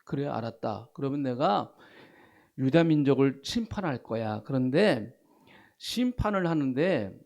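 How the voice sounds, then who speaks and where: A man voicing God, speaking in a slow, low, measured pronouncement. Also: lively intonation, creaky, darkish tone, muffled recording. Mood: stern. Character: God, male, calm, stern and decisive.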